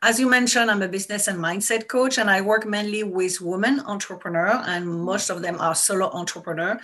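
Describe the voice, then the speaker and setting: Woman, French accent, bright tone, earnest, explanatory, repeats for emphasis. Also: mid-range voice, brisk. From France. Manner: earnest and explanatory, stresses points by repeating them. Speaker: business and mindset coach. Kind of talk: casual interview answers.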